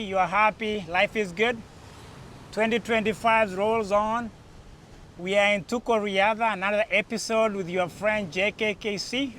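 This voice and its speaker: A man's voice: sits high, pushed and bright. A middle-aged man with a Kenyan accent hosting an informal commentary, speaking emphatically like a storyteller and repeating phrases for effect. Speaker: podcast host. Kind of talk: informal spoken commentary to camera. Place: outdoors in a natural setting. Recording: outdoor recording with background noise.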